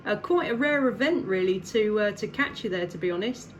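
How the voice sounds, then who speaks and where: A woman's voice: mid-range voice, lively intonation, brisk, muffled recording. A woman CB radio operator making casual contact chat in an upbeat, encouraging way. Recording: clear background noise.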